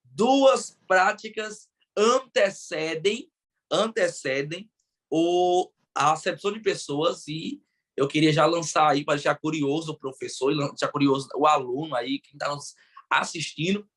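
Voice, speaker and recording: Male Brazilian podcast host, enthusiastic and preacherly, slightly high pitch. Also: unhurried, a bit bright. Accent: Brazilian Portuguese. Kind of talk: Bible study podcast discussion.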